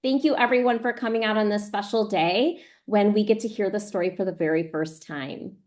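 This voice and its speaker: A woman's voice: mid-range voice, fairly quick, a little mellow. A woman hosting a live virtual author visit, chattily addressing schoolchildren and teachers. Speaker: host of an online book event.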